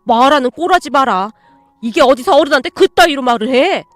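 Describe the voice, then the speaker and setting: A woman voicing a rude, bullying middle-aged father who shouts insults, in a radio story reading. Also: high-pitched, expressive, fairly quick, no echo, faint music behind. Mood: furious scornful.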